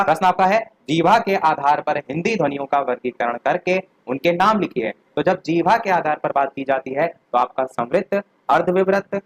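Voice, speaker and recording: Male teacher, revision lecture, higher voice, dry close sound, asks and answers own questions. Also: no room sound, low-quality recording. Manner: explains step by step, asks questions then answers them.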